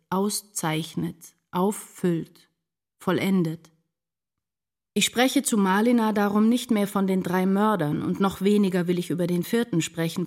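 Low-voiced, troubled woman writer. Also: a little mellow. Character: troubled, introspective woman writer narrating her inner life. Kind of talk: literary radio drama monologue. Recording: music behind the voice.

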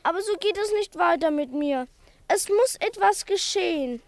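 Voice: very high voice, lively intonation, moderate pace, vocal fry, dry recording, full character voice. A performer playing a small, timid schoolboy who blames himself, speaking earnestly and confidingly in a children's radio play. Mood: ashamed, earnest.

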